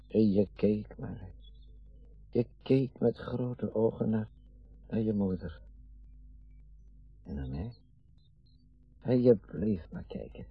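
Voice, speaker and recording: An actor in his sixties playing a garrulous, meddling, wistful retired father in a radio play, rambling and halting, with sudden emphasis. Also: fairly low pitch, breathy edge, dry recording, muffled recording, heavily acted. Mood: nostalgic. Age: 60s. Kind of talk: naturalistic radio drama acting.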